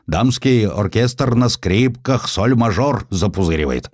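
A man's voice: lowish voice, animated, unhurried, no room sound, studio quality, voice pushed up. A man voicing a haughty, vulgar hotel owner with mock-genteel, old-fashioned servile speech in an audio drama. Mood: dismissive.

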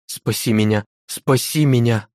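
A man's voice: mid-range voice, fairly even intonation, normal speed, darkish tone, no room sound, clean studio sound, natural voice. A man voicing a young nobleman condemned to death, frantic and pleading. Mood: terrified. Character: young desperate nobleman facing execution.

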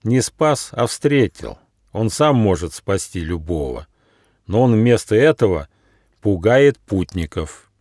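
Wise storybook gnome, calm and stern, lively inflection, read by a man. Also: on the low side, slow, dry recording, clean studio sound, full character voice.

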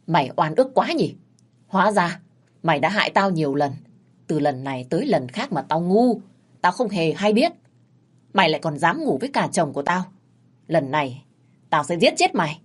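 A woman's voice: on the low side, sing-song, normal speed, pauses often, breathy edge. A woman voicing a bossy, enraged middle-aged wife who scolds her rival in a told story.

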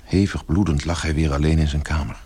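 A man's voice: a bass voice, fairly even intonation, a little fast, mellow, husky. A man narrating a scripted radio play as its storyteller. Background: music.

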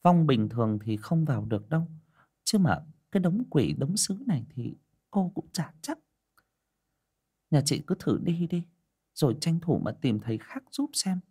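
A man voicing an older female fortune-teller who frets and explains in quick bursts. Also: a little high, expressive, mellow, breathy edge, voice pushed up. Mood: resigned. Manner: fussy, exclaiming, talks fast in bursts. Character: older woman fortune-teller, fretful and worried.

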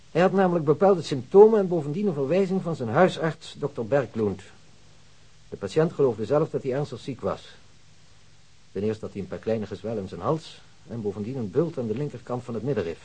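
A precise pedantic doctor in a radio play, sure of himself, medium pitch, bit husky. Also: male voice, expressive, warm tone, poor audio. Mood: clinical, assured. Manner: measured, pedantic explaining. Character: precise, self-assured male hospital doctor. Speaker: actor in a radio drama. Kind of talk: Dutch radio drama dialogue.

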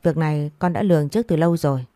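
A woman voicing a drunken, abusive middle-aged husband who scolds harshly and quickly. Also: deep voice, mellow, no echo, studio quality, natural voice. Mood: scolding. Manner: harsh, scolding, rapid-fire.

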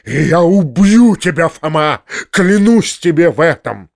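A man reading an audiobook, voicing an agitated middle-aged landowner who shouts, trembling with emotion. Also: a little high, animated, a little slow, gravelly. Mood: desperate shouting.

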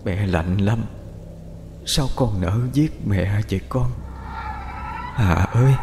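A man voicing the vengeful ghost of an old grandmother who speaks in a low, cold, hushed voice in a horror audiobook. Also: slow pace, in a large hall, background noise. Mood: mournful calling.

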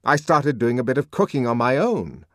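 A man voicing a powerful older controller who lectures in a measured, sardonic way. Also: mid-range voice, big pitch swings, a bit bright, no echo, clean studio sound, voice pushed up.

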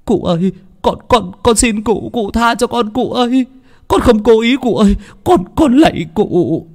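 A man's voice: extremely high pitch, lively intonation, unhurried, a little mellow, voice pushed up, full character voice. A man voicing a terrified young male servant who stammers and begs for mercy. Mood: pleading. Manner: stammering, pleading.

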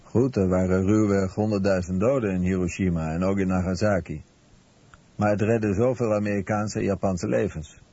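A man narrates a documentary from a script. His voice is lowish and mellow with a husky grain, on a dull radio recording. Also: fairly even intonation, normal speed, no echo. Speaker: narrator and voice-over translator.

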